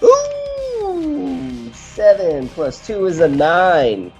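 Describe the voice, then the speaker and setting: A man's voice: sits high, sing-song, drawn-out words, gravelly. A man playing a tabletop role-playing game, bantering casually with a sweary, mock-exasperated manner. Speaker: player in a tabletop RPG. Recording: dull sound with music behind.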